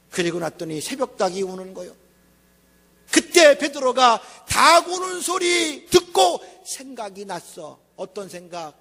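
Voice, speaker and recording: A man's voice: extremely high pitch, fairly bright tone. A male pastor preaching a sermon, with a dramatic, rising and falling delivery and rhetorical questions. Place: church sanctuary. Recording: echoey church hall.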